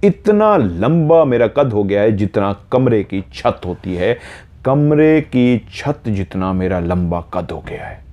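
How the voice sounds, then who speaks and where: A man's voice: on the low side, sing-song, slow pace, muffled recording. A man telling a horror story, earnestly retelling a listener's dream in first person and drawing out repeated phrases.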